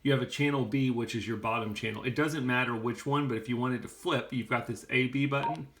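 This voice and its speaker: A man's voice: medium pitch, steady tone, brisk, noisy background. A man explaining things step by step in a plain-spoken, casual how-to style. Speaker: how-to video host.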